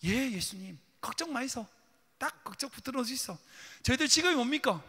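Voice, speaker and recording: A man's voice: very high voice, lively intonation, a little fast, pushed and bright, husky, in a large hall, pitched above the performer's own voice, heavily acted. A man voicing cocky fisherman disciples in a Busan dialect, speaking with a swagger. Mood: boastful. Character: boastful fisherman disciples, young men.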